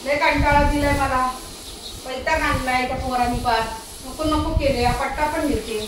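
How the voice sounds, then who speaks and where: A woman, talking casually at home and loudly scolding and calling to her pet dog. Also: high-pitched, steady tone, moderate pace. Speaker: pet vlogger. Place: home, indoors. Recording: echoey room, faint background noise.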